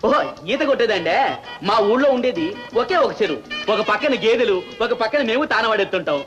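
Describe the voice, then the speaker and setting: An actor playing a poor, bumbling village servant who talks in a humble, rustic way. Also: male voice, sits high, lively intonation, quick pace, a bit bright, highs cut off, soft background music. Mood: comic.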